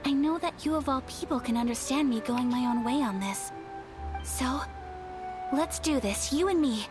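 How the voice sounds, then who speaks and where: A woman voicing a gentle, polite young noblewoman in a video game, soft-spoken and formal. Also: high voice, moderate pace, lightly acted. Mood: earnest. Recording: game audio with background music.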